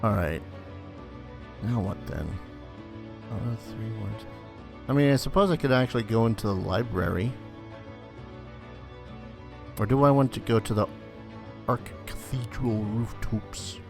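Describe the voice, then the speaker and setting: A man's voice: lowish voice, animated, a little slow, creaky, long pauses, over music. A man giving casual let's play commentary, musing aloud in a dry, mildly irreverent way. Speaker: gaming video host.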